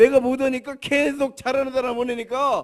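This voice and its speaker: A man with an extremely high-pitched voice speaks at a fairly slow pace. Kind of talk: preacher's sermon.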